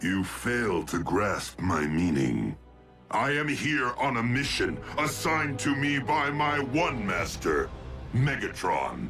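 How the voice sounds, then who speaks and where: A cartoonish character voice speaks at a fairly slow pace. Clear music plays in the background. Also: man, medium pitch for a man. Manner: grave, flat, stern.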